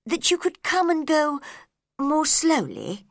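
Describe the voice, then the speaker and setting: A woman's voice: sits high, wildly swooping pitch, slow pace, vocal fry, no room sound, studio quality, voice pushed up, heavily acted. A woman voicing a polite, curious young girl in a storybook reading, with a raised, questioning voice.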